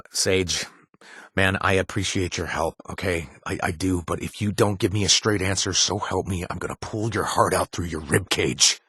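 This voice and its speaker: An actor playing a gruff, washed-up ex-raider who now runs a bar, sardonic and joking one moment, earnest and grateful the next, in video game voice lines. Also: male voice, sits low, normal speed, bright, forceful tone, dry recording, studio quality, full character voice. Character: gruff washed-up male ex-raider bartender, wry. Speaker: game companion character.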